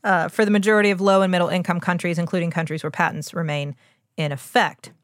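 A woman's voice: fairly low pitch, steady tone, quick pace, no room sound, clean studio sound. A woman hosting a podcast as a doctor, explaining in an earnest, informal way with emphatic asides. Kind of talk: conversational explainer on medicine.

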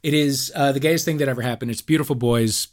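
A man's voice: mid-range voice, fast talker. A man hosting a comedy panel podcast, moving between mock-grand announcements and dry, playful asides. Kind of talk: comic game show hosting.

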